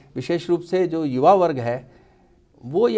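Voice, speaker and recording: A man's dark, mellow voice moves with lively intonation. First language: not Hindi (speaking Hindi). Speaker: writer and editor. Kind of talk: interview. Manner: formal.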